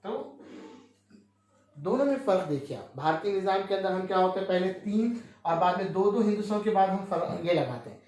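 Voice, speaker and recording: A man's voice: sits high, expressive, a little fast, darkish tone. Man teaching in a very echoey room. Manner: asks questions and answers them himself, with frequent tag checks. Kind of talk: classroom maths lesson.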